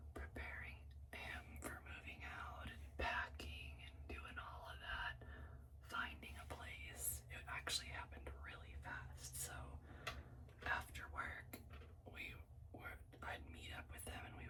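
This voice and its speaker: A woman whispering at a very slow pace, with long, frequent pauses and noticeable background noise. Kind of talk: ASMR get ready with me. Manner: whispered.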